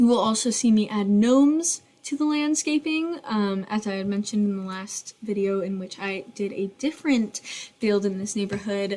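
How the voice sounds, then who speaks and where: Somewhat breathy, a woman's voice sits at a fairly high pitch. She moves at a moderate pace with lively intonation. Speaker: gaming youtuber. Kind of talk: voice-over commentary on a speed build. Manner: halting, many fillers and restarts; casual, chatty.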